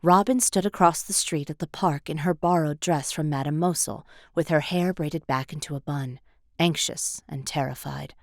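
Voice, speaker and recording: Female audiobook narrator, lower register, measured articulate read, dry close-mic recording. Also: dry recording. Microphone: close studio voice-over microphone.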